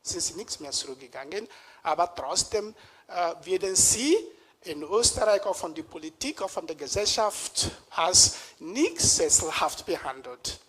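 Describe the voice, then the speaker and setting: A man from Nigeria giving a public lecture in a lecture room, pausing often with hesitations as he searches for words. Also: high-pitched, fairly bright tone.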